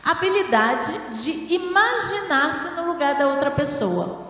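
At a spiritual temple, a woman lecturer with a high, bright, forceful voice teaches a seated audience patiently, speaking a little slowly with lively intonation. She poses rhetorical questions and keeps adding "né?" in a didactic way. Though she holds a handheld mic, she sounds far off, swallowed by the long, booming echo of a large hall.

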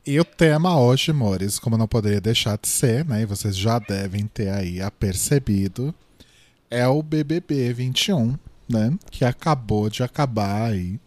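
A man co-hosting a casual podcast, bantering playfully in a camp, quick way. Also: medium pitch, animated, darkish tone, dry recording. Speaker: podcast co-host.

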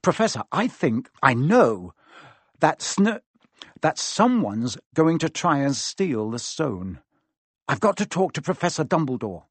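A man's voice: fairly high pitch, big pitch swings, a little slow, no echo. A man voicing an anxious, determined schoolboy wizard who speaks urgently and frantically in a storybook reading. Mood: pleading.

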